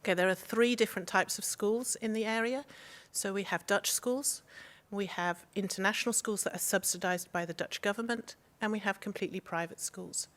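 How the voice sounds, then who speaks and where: A woman speaking as a special needs education expert on a panel, explaining options in a measured, steady way. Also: mid-range voice. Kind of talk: informative panel answers.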